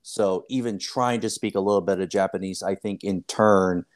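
A man's voice: sits low, steady tone, normal speed. A man talking casually as a podcast guest about anime, hedging his points and trailing off with small laughs.

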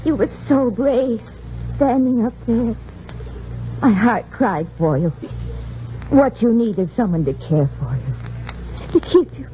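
A woman's voice: fairly high pitch, animated, measured pace, pauses often. A gushing flirtatious lady. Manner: gushing, breathy sweetness. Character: gushing flirtatious woman, effusive. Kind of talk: 1940s radio acting. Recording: tinny noisy old radio broadcast.

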